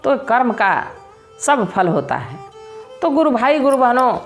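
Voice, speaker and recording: Brief: woman devotional storyteller, animated and moralizing, soft music underneath. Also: fairly high pitch, measured pace. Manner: expressive, preachy, addresses listeners directly. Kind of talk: religious story narration.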